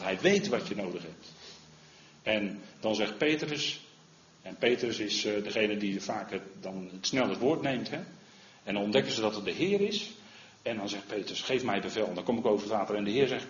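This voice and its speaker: A man preaching a sermon in an earnest manner, often asking "hè?" and growing louder when he quotes the Lord. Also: on the low side, expressive, normal speed, slight background noise. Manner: earnest, rises in volume when quoting the Lord, frequent "hè?". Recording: roomy, slightly dull recording.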